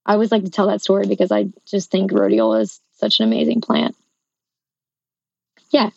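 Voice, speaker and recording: A woman's voice: mid-range voice, very animated, fairly quick, gravelly, a little mellow, dry recording, lo-fi sound. A woman herbalist and triathlon coach explaining things enthusiastically in a podcast interview, with frequent ums.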